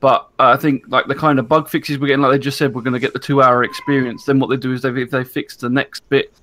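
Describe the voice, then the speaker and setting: A man's voice: mid-range voice, little pitch movement, quick pace, fairly bright tone, slight background noise. A man chatting casually as a panellist on a gaming podcast. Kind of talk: casual panel discussion about a video game.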